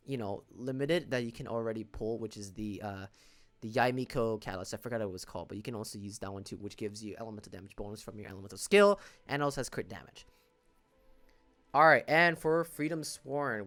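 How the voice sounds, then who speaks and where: A man giving casual, conversational gaming commentary, explaining things informally as a video creator. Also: medium pitch. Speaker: gaming video creator reviewing game banners.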